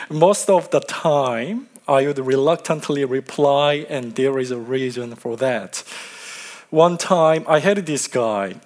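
Slow-speaking Korean-accented male pastor. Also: a little high, darkish tone. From South Korea. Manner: slow, careful delivery with friendly asides. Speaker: guest pastor. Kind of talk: sermon.

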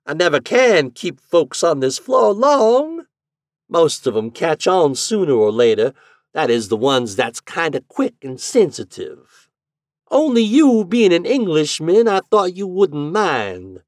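A man's voice: sing-song, no room sound, clean studio sound. Man putting on a drawling old landlady. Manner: slow drawl, high and loud. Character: drawling sly old landlady, cool and unbothered.

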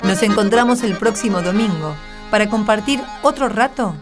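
A woman's voice: mid-range voice, normal speed. A woman presenting and reading scripture in a solemn, scripted style for radio. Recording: music behind voice.

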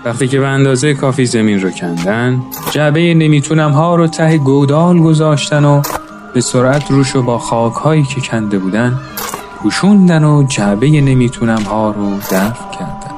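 A man narrating a story in a calm, measured way, now and then addressing his listeners as friends. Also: mid-range voice, over music. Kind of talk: scripted narration.

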